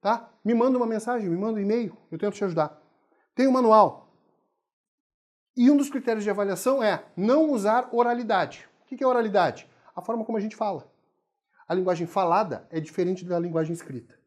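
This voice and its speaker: A man's voice: high-pitched, fairly quick. Emphatic male teacher. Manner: emphatic and lively, asks rhetorical questions and answers them. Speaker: writing teacher. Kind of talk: video writing lesson.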